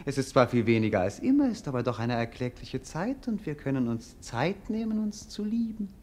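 An actor playing a bored, melancholy young prince in a classic radio play, speaking in a dreamy, languorous, theatrical way. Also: male voice, medium pitch, very animated, a little fast, a little mellow, slight background noise, lightly acted. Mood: dreamy, teasing.

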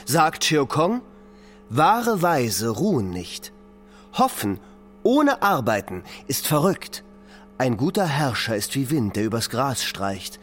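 A man narrating an epic poem for a radio play in a measured, declamatory way. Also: medium pitch, sing-song, a bit bright. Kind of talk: solemn scripted recitation of epic poetry.

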